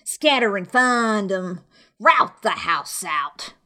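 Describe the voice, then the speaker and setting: A woman voicing a furious, domineering blind old pirate man who shouts orders in an audiobook. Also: medium pitch, animated, slow. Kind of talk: dramatic audiobook character voice.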